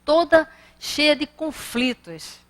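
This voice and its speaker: A woman's voice: high-pitched, big pitch swings, slow pace. A middle-aged woman with a Rio de Janeiro accent giving a spiritist lecture, conversational, acting out the children and staff in her stories. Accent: Rio de Janeiro Portuguese.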